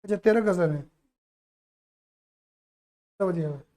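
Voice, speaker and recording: A man's voice: sits high, slow, mellow. A man teaching accountancy to a live class, playful and teasing as he keeps quizzing the students.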